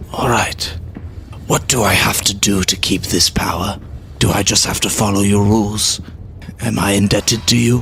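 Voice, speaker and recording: A man puts on a character voice, speaking at a moderate pace with long, frequent pauses. Background noise is clearly audible. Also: fairly low pitch for a man. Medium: actual play. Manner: earnest, plainspoken.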